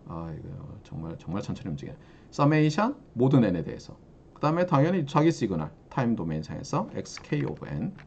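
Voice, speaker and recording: A male university professor giving a classroom lecture, his pitch swinging widely as he talks. He keeps throwing rhetorical questions at the class. The recording is dull and lo-fi. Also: breathy edge. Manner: lively, asks the class frequent rhetorical questions.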